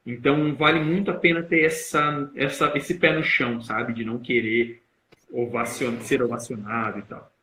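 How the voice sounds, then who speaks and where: A young Brazilian man, a guest speaker on public speaking, explaining in a live-stream talk and shifting his emphasis and loudness to demonstrate. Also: mid-range voice, flat delivery, moderate pace, reverberant, slight background noise, rough recording. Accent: Brazilian Portuguese.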